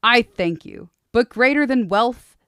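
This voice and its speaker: A woman voicing a brutal, broad-shouldered young male high prince who makes loud proclamations. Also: animated, a little slow, smooth, dry recording, clean studio sound, exaggerated voice. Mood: proclaiming.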